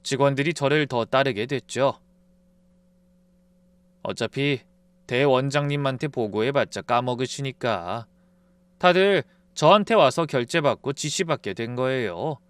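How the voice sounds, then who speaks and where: A man narrating a first-person family drama story in a calm, confiding tone, close to the mic. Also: mid-range voice, unhurried, clear, resonant tone, dry recording.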